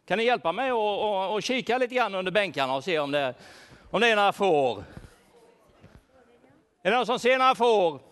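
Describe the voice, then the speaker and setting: A worried shepherd, as a man plays him in a church, asks the children one question after another and calls out names. His voice sits high for a man and swoops up and down with plenty of animation. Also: big pitch swings, long pauses, a bit bright, clear, resonant tone. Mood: searching, playful. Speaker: children's talk leader. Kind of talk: playful role-play for children.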